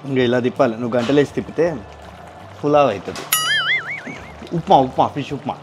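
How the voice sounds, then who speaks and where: A man's voice: mid-range voice, fast talker, loud music behind the voice. A man cooking in his home kitchen, giving directions and teasing his wife as they chat. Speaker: husband doing the cooking.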